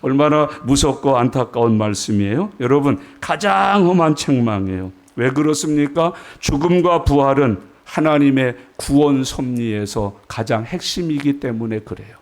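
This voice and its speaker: A man preaching a Sunday sermon as pastor, swinging between quiet explanation and loud, rising exhortation, acting out scolding voices. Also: lively intonation, moderate pace, few pauses. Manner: preaching with sudden rises in pitch and force, acting out scolding voices. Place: church sanctuary.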